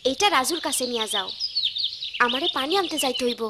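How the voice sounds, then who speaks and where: A woman's voice: high voice, a little fast, heavy background noise, lightly acted. A woman voicing a kind, hardworking young village girl in a cartoon, speaking in an eager, rustic dialect. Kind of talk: cartoon voice acting.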